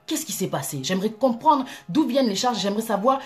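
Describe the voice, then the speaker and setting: A woman telling an animated, emphatic personal testimony in a casual way. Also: on the high side, fairly quick, faint music behind. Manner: animated, emphatic, breaks into laughter. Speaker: Christian vlogger.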